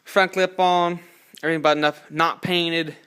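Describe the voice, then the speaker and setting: An eighteen-year-old building a car in his home garage films it on a handheld phone, rambling casually, correcting himself and using plain language. His slightly high voice is pushed, bright and clean, with a flat delivery at a moderate pace.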